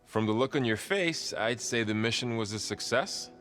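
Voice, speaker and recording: A man's voice: mid-range voice, expressive, moderate pace, a bit bright, close to an everyday voice. A man playing an upbeat, loyal tribal companion in a video game, with a lighthearted, wry manner. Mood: upbeat, teasing. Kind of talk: video game cutscene acting. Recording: background music under the voice.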